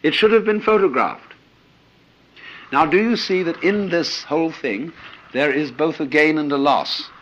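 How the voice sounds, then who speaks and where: A man's voice: a little high, measured pace, a bit bright, muffled recording, a little hiss or hum. An older man giving a reflective, anecdotal lecture, musing aloud with frequent "you see" and hesitant "uh"s. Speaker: lecturer on philosophy.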